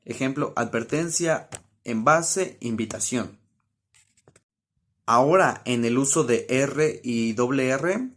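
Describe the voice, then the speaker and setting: Young man, student presenter, mid-pitched voice, halting with filler sounds. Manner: halting, many fillers and self-corrections. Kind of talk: study-review explanation.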